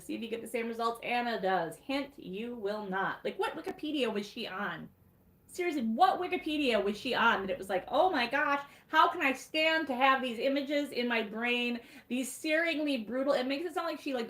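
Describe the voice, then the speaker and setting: A woman's voice: on the high side, fairly bright tone, roomy sound. Snarky woman with a Michigan accent. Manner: snarky, wry, laughs at her own jokes. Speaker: host reading a book recap. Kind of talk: sarcastic recap reading on a livestream.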